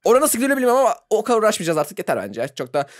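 A fast-talking young man giving playful gaming commentary. His voice jumps up and down in pitch, and he laughs a lot and shrieks at surprises. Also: very animated. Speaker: gaming YouTuber. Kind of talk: let's play commentary.

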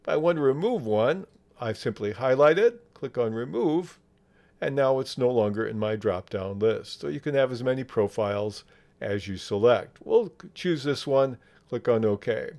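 Male software instructor, medium pitch, measured explanatory delivery for screen walkthroughs. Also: lively intonation, gravelly. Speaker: software tutorial presenter. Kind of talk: step-by-step screen tutorial narration.

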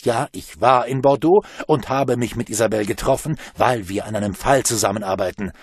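A man's voice: lowish voice, breathy edge, no room sound, studio quality. Man reading a firm village policeman. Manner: firm, placating. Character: village policeman dressed as Santa.

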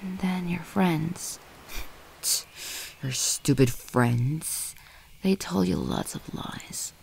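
A woman acts out an obsessive yandere ex-girlfriend for an ASMR roleplay. She speaks very slowly in a lowish female voice, condescending and possessive. Her temper is volatile and her words linger teasingly. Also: a little mellow, exaggerated voice. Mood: cooing, controlling. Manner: condescending, teasing, lingering on words, often breathy half-whispers. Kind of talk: ASMR audio roleplay addressed to the listener.

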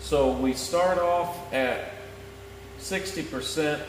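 A man in his thirties giving a measured, plain-spoken welding lesson to camera as the video's host, with pauses as he explains. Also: a little high. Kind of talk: instructional talk to camera. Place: large metal-walled welding shop, indoors. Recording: echoey workshop with clear background noise.

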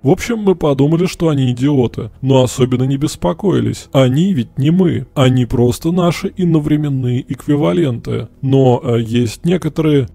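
A man's voice: medium pitch, vocal fry, mellow, no room sound. A man voicing a nervous male scientist who stammers and keeps apologizing. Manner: halting, apologetic, full of restarts.

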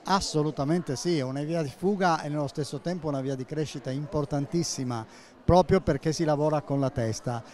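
A retired man in his sixties, a journalist, interviewed at an exhibition stand, speaking in a measured way with fillers. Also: on the high side, warm tone. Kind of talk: interview at a book fair stand. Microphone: handheld interviewer mic.

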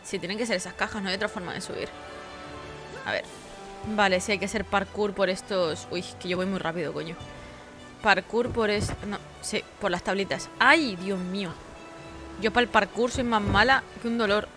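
Casting note: sleepy woman gamer, talkative and foul-mouthed, dramatic in fights, game music clear underneath. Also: medium pitch, steady tone, a little fast, a bit bright. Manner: chatty, swears freely, dramatic cries for help during fights. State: tired, sleepy. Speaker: gameplay streamer. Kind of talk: casual gameplay commentary.

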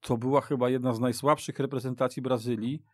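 A man discussing football as a guest pundit on a radio podcast, haltingly, repeating and restarting words. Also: medium pitch, steady tone, breathy edge, no echo, clean studio sound. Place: radio studio.

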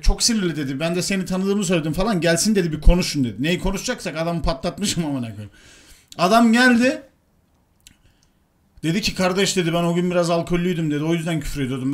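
High-voiced young man telling a story. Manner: animated storyteller, crude and joking. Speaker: show host. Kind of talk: casual chat.

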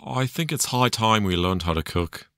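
Man doing a prissy bossy cartoon eagle, bright tense voice, dry close sound. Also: lowish voice, expressive, normal speed, clear, resonant tone, dry recording. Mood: fussy. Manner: proper, scolding, fussy. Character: prim, bossy male eagle lord. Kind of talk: fan cartoon voice acting.

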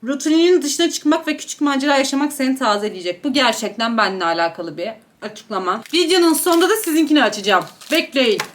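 Young woman, high voice, chatty and gossipy, eating while she talks, casual vlog. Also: fast, few pauses, slight background noise. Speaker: beauty and gossip YouTuber. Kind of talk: casual mukbang chat reviewing celebrity outfits.

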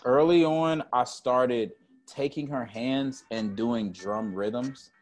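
A man's voice: medium pitch, slow pace. A man in his thirties, a guest musician, chatting animatedly on a video call through an earbud headset from a room at home. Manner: animated, scats drum rhythms and freestyles. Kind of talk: casual video-call chat. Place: home room with jazz tapestry and string lights.

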